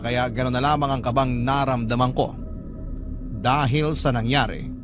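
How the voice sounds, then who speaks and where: A man narrating a first-person ghost story in an earnest, confessional way. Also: mid-range voice. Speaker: narrator reading a listener's story. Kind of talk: scripted dramatic narration. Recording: music clearly underneath.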